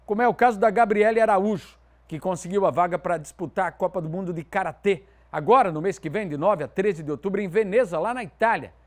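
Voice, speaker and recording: Southern brazilian news guy in a tv studio, pretty high voice, punchy delivery. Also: fast, hardly any pauses. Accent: Southern Brazilian Portuguese. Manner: lively, emphatic newsreader delivery. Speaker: TV sports news presenter.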